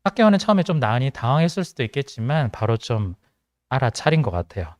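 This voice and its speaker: A mild Gyeongsang accent marks this male pastor from South Korea's Gyeongsang region as he addresses young adults in a relaxed, conversational sermon, adding joking asides. He has a slightly high voice, captured dry with clean studio sound.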